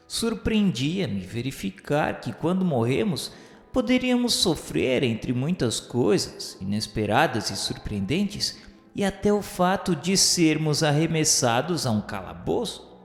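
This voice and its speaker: A man with a Brazilian accent acting as a solemn, remorseful scholar's spirit, narrating a radio drama in measured, literary phrasing. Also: medium pitch, gravelly. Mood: troubled, surprised. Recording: echoey hall reverb under music. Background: music.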